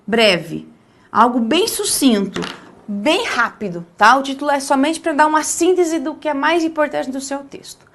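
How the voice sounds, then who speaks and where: A woman with a Brazilian Portuguese accent teaching a lesson on essay writing, stressing key words by drawing them out slowly and checking in with the listener often. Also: high-pitched, a bit bright.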